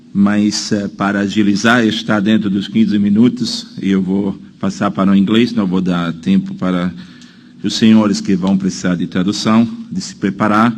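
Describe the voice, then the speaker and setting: There is audible room echo. A man speaks at a fairly low pitch. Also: fairly even intonation, moderate pace. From Italy. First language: Italian (speaking Portuguese). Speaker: World Bank financial infrastructure manager, conference speaker. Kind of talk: conference presentation. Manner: hesitant, with fillers.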